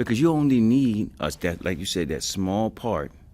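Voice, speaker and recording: With a New York accent and lively intonation, a man talks at a moderate pace in a very clean recording with a silent background. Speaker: hip hop artist. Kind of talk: interview answer. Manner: casual, relaxed.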